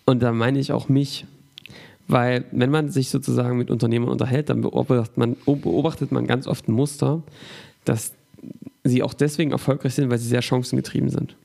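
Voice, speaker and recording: A man's voice: medium pitch, level tone, fairly quick, creaky, darkish tone. A man hosting a business podcast who sums up points and agrees often, using a lot of filler sounds. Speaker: podcast host. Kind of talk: conversational interview.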